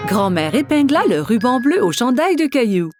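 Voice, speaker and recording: A woman narrating a scripted children's story with a clear storytelling delivery. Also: on the high side, sing-song, normal speed, over music.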